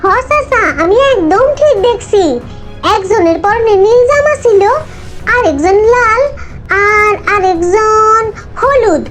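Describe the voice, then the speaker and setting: A woman's voice: very high-pitched, animated, slow pace, over music, heavily acted. A woman voicing an eager, childlike talking bird in a cartoon, earnest and. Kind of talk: cartoon dub.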